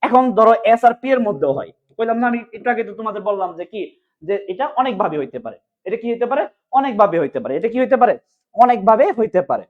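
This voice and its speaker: A man teaching chemistry in an online exam-prep class, drilling students with quick repeated questions. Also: high voice, very animated. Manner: fast, repetitive question-and-answer drilling. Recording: phone-like narrow sound.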